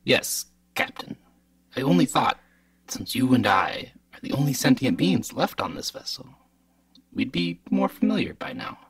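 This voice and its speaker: A man's voice: mid-range voice, big pitch swings, moderate pace, slightly rough, no room sound, recorded from a distance, exaggerated voice. A man voicing a polite, servile sanitation droid on a spaceship, formal and dutiful, in a comedic audio drama. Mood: eager, proud.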